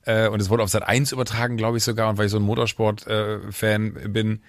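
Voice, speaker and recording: Gravelly man telling a story in casual chat. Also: fairly low pitch, fast talker, no echo. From Düsseldorf area, Germany. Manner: lively storyteller who acts out quoted dialogue; many fillers and restarts. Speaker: podcast co-host.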